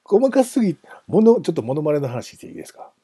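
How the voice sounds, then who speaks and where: Casual guy with a lilt just chatting away, mellow husky voice, bouncy pitch, super dry sound. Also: wildly swooping pitch, fast talker, no echo. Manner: chatty, aside-prone, self-amused. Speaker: podcast host. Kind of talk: casual solo talk on football history.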